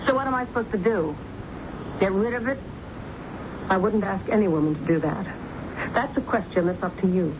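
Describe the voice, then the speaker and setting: A woman's voice: mid-range voice, normal speed, pauses often, close to an everyday voice. An actress playing a well-to-do, controlling middle-aged mother with polished diction in a radio drama. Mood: cold, firm. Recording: muffled, noisy old radio broadcast.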